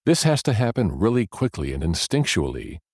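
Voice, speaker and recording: A man reading scripted self-help audiobook narration in a measured, explanatory way with deliberate pauses. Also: on the low side, very animated, a little mellow, no room sound, studio quality.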